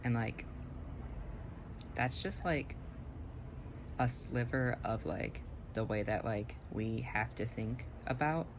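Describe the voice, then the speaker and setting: A man's voice: medium pitch, slow pace, pauses often, noisy background. A young trans man co-hosting a podcast, blunt and joking with a lot of swearing. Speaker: podcast co-host. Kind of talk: casual podcast chat.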